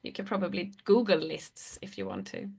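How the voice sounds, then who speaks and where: A woman's voice: fairly low pitch, sing-song, normal speed, creaky, a little mellow, breathy edge. A woman speaking as a designer on a live online panel, answering in a loose, chatty way that trails off between thoughts. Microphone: video call.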